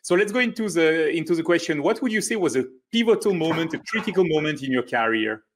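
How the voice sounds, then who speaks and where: A man's voice: fairly high pitch, animated, fast, slight background noise. Encouraging male interview host. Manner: encouraging, attentive. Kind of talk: hosting an interview segment.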